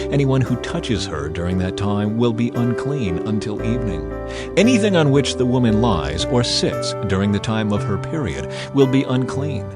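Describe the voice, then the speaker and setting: A male narrator delivers dramatized scripture over a clear musical backing. His pitch moves widely through each phrase, while the delivery stays solemn, measured and declarative.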